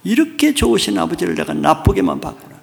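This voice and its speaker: A man preaching who voices a remorseful young son begging his father's forgiveness in a slow, soft, lowered voice. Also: big pitch swings, creaky, heavily acted.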